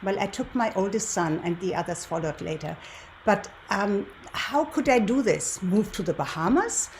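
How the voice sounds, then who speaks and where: A woman's voice: medium pitch, lively intonation, normal speed. Older German-accented woman hosting, noisy recording. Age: 70s. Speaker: show host, lifestyle and relationship coach. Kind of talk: presenter's introduction and personal storytelling to viewers.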